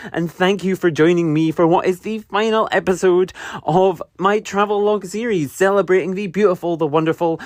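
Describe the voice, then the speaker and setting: A man's voice: a little high, dry recording, clean studio sound. A man with a Scottish accent hosting a podcast, chatting enthusiastically and rambling a little, with lots of fillers and restarts. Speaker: podcast host. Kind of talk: casual solo podcast recap.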